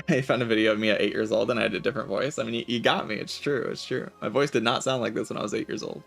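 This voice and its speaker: A man streaming a game, chatting casually in a relaxed, raspy voice with vocal fry, often saying "like". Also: medium pitch, very fast, soft background music. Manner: relaxed, laid-back, chatty with filler "like". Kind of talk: casual chat while gaming.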